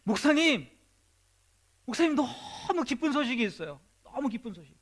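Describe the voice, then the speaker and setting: A man's voice: extremely high pitch, sing-song, normal speed, fairly bright tone, voice pushed up, heavily acted. A man voicing an agitated farmer from his congregation, insistent and urgent as he pleads with his pastor. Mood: overjoyed.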